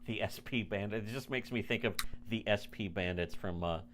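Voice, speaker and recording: A man's voice: lowish voice, brisk, a bit bright, slight background noise. A man co-hosting a podcast in crude casual banter, rambling and profane with frequent restarts. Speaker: podcast co-host.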